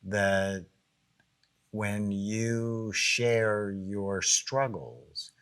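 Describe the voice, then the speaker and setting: A middle-aged man co-hosting a podcast, speaking in a measured, thoughtful way. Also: on the low side, a bit bright, clear, resonant tone. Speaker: podcast co-host. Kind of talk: casual conversational podcast.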